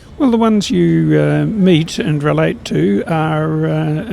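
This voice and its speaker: A man speaks with a New Zealand accent. There is noticeable background noise. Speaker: street interviewee. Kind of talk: street interview. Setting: outdoors. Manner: hesitant, measured.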